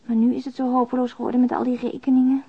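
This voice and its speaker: A woman's voice: on the high side, monotone, very fast, breathy edge. An actress playing a despairing young single mother who confides in a plain, subdued way, as in a radio drama letter. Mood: weary, resigned. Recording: dull, lo-fi radio drama recording.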